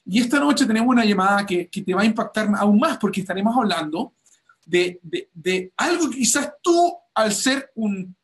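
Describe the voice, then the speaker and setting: A man's voice: high voice, lively intonation, moderate pace. A male host talking animatedly on a call, with many fillers and restarts. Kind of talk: enthusiastic call interview.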